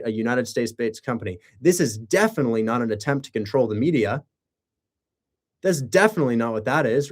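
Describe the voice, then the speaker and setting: A man's voice: mid-range voice, darkish tone. A man chatting casually on a livestream, rambling with sarcastic asides and rhetorical questions. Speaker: live streamer and real estate wholesaler.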